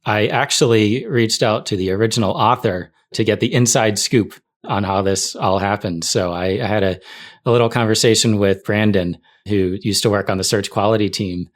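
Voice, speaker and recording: A man's voice: lowish voice, moderate pace. A middle-aged man speaking as a podcast guest, recollecting work stories in a casual conversational way. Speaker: podcast guest, tech writer.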